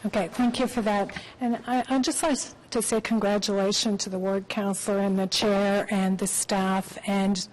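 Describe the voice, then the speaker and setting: Medium-pitched woman councillor. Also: little pitch movement, normal speed, few pauses, poor audio. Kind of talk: questioning staff at a committee meeting.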